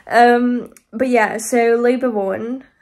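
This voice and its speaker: A woman speaks with a British accent against a quiet background. Her pitch is high. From UK. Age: 20s. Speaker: vlogger. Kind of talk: casual vlog chat. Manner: chatty, hesitant with fillers. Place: kitchen. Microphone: phone near.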